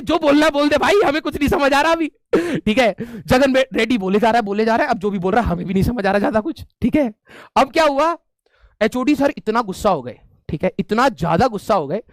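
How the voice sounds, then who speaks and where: A man with a strikingly high voice narrates a comic tale to a room of students. He laughs along at his own story and keeps pausing to check in with them. His voice is recorded close and dry, with almost no room sound. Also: dry recording. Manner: chuckles often, keeps checking in with "okay". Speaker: teacher. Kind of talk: humorous storytelling to a class.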